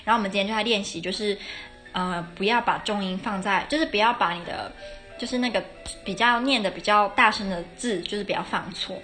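A woman's voice: mid-range voice, fairly quick, sharp tone, faint music behind. A young adult woman, hosting a casual solo podcast in a chatty way, often correcting herself and laughing now and then. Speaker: podcast host. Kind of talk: casual solo podcast chat about her classes.

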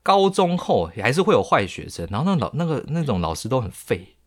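A man with a Taiwanese Mandarin accent, hosting a podcast and telling a story in an animated, mocking way full of crude slang. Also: mid-range voice, fast. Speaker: podcast host. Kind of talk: storytelling monologue.

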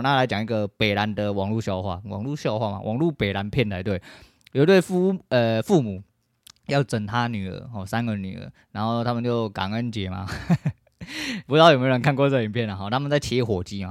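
Fast-talking, foul-mouthed podcast guy. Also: on the low side, no room sound, studio quality. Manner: rambling, profane, laid-back. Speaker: podcast host. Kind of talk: casual monologue.

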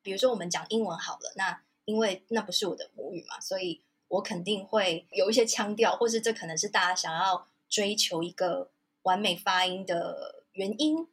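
A woman hosting a Mandarin interview podcast, thinking aloud and giving frequent soft hums of agreement. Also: medium pitch, normal speed, breathy edge. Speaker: podcast host. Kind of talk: interview conversation.

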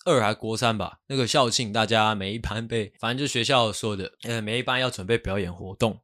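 A man's voice: fairly low pitch, fairly quick, a bit bright. A young man co-hosting a podcast, chatting casually and teasing his partner with frequent laughter. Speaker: podcast co-host. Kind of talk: casual storytelling chat.

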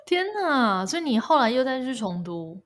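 A woman's voice: on the high side, very animated, normal speed. A woman co-hosting a casual podcast chat, listening closely and asking follow-up questions. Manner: attentive listener, short back-channel replies. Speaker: podcast co-host.

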